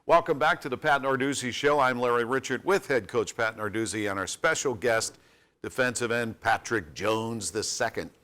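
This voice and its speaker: A man's voice: medium pitch, moderate pace, bright, forceful tone. A man hosting a sports radio show, interviewing a college football player in a friendly, folksy way with joking asides.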